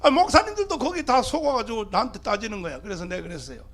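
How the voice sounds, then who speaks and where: A man's voice: very high voice, expressive, fast talker, a bit bright. A man, a pastor giving a fiery rally speech, pressing the crowd with rhetorical questions. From Gyeongsang region, Korea.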